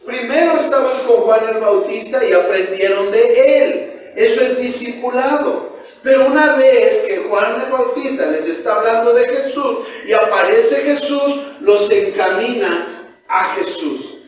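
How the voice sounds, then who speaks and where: A male pastor with a Mexican Spanish accent preaching a lively sermon, asking his congregation questions and acting out the voices he quotes. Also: very high voice, measured pace. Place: church hall. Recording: echoey church room, mic at a distance.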